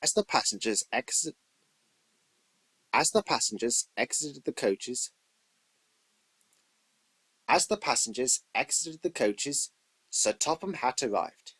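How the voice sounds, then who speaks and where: A man's voice: medium pitch, fairly bright tone, slightly rough. A man reading scripted narration for a children's train story as its storyteller.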